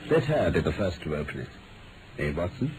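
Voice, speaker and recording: An actor playing a brisk, commanding, shrewd detective with a British accent and crisp, theatrical delivery in an old radio drama. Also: male voice, deep voice, sing-song, background noise. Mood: genial, confiding. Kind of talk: 1940s-50s radio drama acting.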